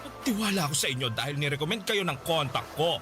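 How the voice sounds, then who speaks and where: Campy, animated man playing bossy gay client. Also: on the high side, fast talker, over music, lightly acted. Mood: impatient, threatening. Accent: Filipino. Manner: campy, drawling, haughty. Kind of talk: Filipino radio drama acting.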